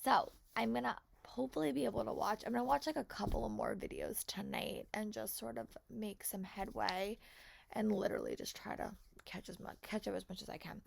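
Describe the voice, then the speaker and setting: A young woman vlogging casually about her reading, her voice hoarse and gravelly from talking all day at work. She sits a little high in pitch and chats in an upbeat way, full of "like" and restarts. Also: noisy background. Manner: chatty, upbeat, lots of "like" and restarts. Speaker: book vlogger. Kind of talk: casual vlog check-ins.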